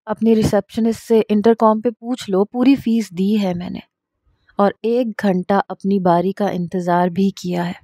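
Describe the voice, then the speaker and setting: A woman's voice: mid-range voice, steady tone, mellow, dry recording, clean studio sound, natural voice. Dawood, a woman voicing an obsessive jealous man. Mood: obsessive, angry. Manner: heated, pleading and demanding.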